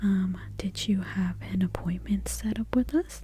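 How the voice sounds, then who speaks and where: A soft-spoken woman's whispering at a fairly slow pace. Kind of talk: ASMR role-play as an optician's assistant. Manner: soft-spoken, whispering.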